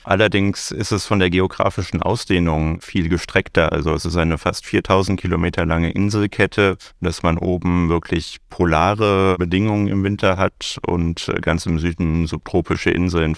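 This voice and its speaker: A man's voice: low-pitched, little pitch movement, moderate pace, gravelly, few pauses, no echo, studio quality. A man speaking as a guest on a podcast panel who explains facts and hesitates with fillers. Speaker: ministry country desk officer, panel guest.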